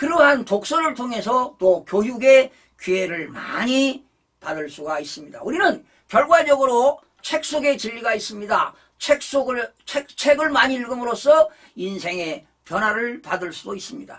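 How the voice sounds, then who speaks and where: Speaking at a fairly slow pace, a man with an extremely high pitch makes very wide pitch swings and big swings in loudness. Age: 60s. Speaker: professor and channel host. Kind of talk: book commentary monologue.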